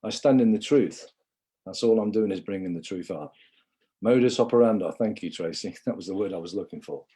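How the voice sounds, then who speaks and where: Man, husky, mellow dark tone, lowish pitch, rambling livestream rant. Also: fairly quick. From England. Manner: rambling, repetitive, addresses viewers as guys. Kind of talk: impassioned livestream monologue.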